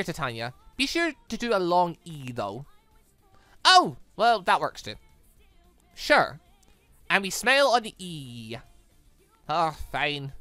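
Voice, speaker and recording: A woman's voice: lowish voice, dry recording. A young woman streaming a visual novel, reading the lines aloud and chatting about the story. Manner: chatty, animated, reads character lines in her own voice. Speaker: let's play streamer.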